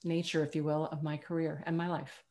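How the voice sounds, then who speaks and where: Animated woman telling stories on a panel. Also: sits low, fairly quick. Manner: animated storyteller, acts out quoted voices. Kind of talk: panel discussion storytelling.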